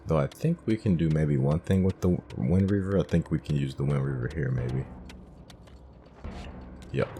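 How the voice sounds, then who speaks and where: A man's voice: rumbling low, normal speed, long pauses, dark tone, a little hiss or hum. A man giving laid-back, casual commentary as he plays through a video game, muttering short remarks to himself. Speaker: gaming streamer playing through a game. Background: game music.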